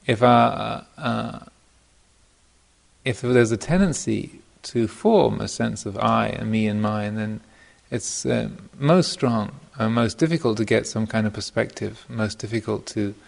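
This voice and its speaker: Male meditation teacher, lowish and very gravelly, informal dharma talk, reflective, halting delivery. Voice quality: gravelly, creaky voice. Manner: hesitant, thoughtful, pausing mid-phrase. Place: meditation retreat center.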